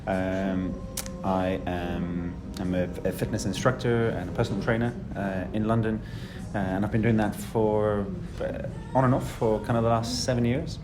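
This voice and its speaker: Low-voiced chatty man from South Africa. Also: normal speed, few pauses, background noise. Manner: relaxed, chatty, frequent ums and laughs. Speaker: fitness instructor, interview guest. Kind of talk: casual interview answers.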